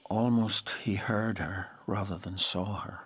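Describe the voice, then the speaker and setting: An actor with a Northern Irish accent playing a grave narrator in a literary audio drama, telling the story in a measured way. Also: male voice, lowish voice, steady tone, husky. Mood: hushed wonder. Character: grave male narrator recalling a boy's haunting encounter.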